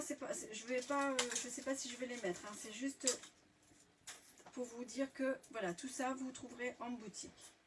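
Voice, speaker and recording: A French woman hosting a live scrapbooking tutorial, talking casually with many fillers and restarts as she shows her materials. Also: on the high side. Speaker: scrapbooking workshop host. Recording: distant mic, faint background hiss.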